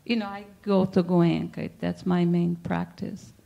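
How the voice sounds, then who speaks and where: A woman's voice: lowish voice, level tone, measured pace, creaky, warm tone, lo-fi sound. A woman from the audience asking a question hesitantly, restarting and searching for words. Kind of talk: question from the floor. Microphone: handheld microphone.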